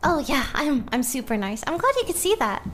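A woman's voice: sits high, big pitch swings, fairly quick, background noise. A woman playing a flippant, self-assured young adventurer in improvised tabletop roleplay, talking in casual modern slangy phrases. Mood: curious, breezy. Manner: flippant, colloquial, offhand.

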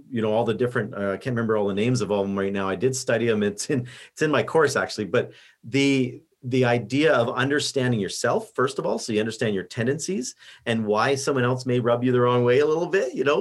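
A man hosting an interview, upbeat and enthusiastic with quick agreeing remarks. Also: medium pitch. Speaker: podcast host. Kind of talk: casual interview talk.

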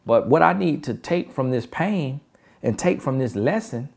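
A man's voice: mid-range voice, lively intonation, a little slow, vocal fry, breathy edge. A man with a country Southern accent giving relationship advice in an emphatic, repetitive motivational style. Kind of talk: motivational talk.

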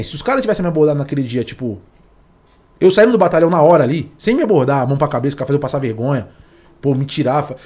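A young Brazilian man speaks very quickly in a slightly high voice. His Portuguese has a São Paulo accent and is packed with street slang, in the loose style of a casual interview. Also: a little mellow. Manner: slangy, street-style talk full of colloquial tags. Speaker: podcast guest, former police officer. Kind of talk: casual interview chat, telling personal stories.

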